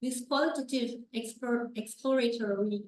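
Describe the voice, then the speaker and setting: A woman's voice: a little high, moderate pace. A woman with a Quebec French accent, a native French speaker giving a hesitant academic conference talk in English with many fillers and restarts. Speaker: conference presenter, university researcher. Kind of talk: academic presentation. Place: lecture room. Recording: echoey room, speaker far from mic.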